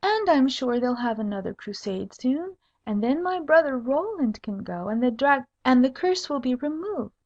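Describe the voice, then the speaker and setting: A pert young noblewoman, played by a woman reader, high and girlish in tone. She has the sly, coaxing manner of a storybook daughter, heard on a slightly dull recording. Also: big pitch swings, moderate pace, few pauses, darkish tone, full character voice. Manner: girlish, coaxing, haughty when teased. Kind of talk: humorous storybook character voice.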